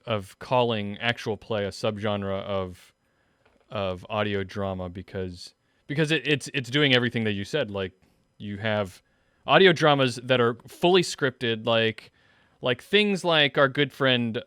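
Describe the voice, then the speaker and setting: A man hosting a casual panel discussion, talking in a halting way as he thinks aloud. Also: medium pitch, fairly bright tone, smooth, dry recording, studio quality. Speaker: host.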